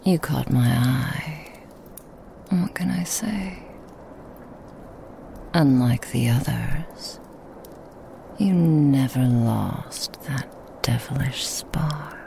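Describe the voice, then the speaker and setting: A woman voicing a seductive, possessive female Krampus demon in a whispered ASMR roleplay, teasing and mocking in an intimate hush. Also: rumbling low, extremely slow, vocal fry, long pauses, a little hiss or hum, heavily acted. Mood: menacing.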